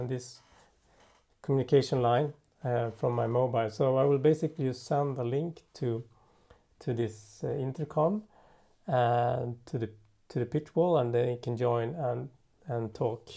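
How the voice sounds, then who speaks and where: A man presenting an unscripted software tutorial in a halting way, thinking aloud as he works. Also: mid-range voice, gravelly. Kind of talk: unscripted software demo narration.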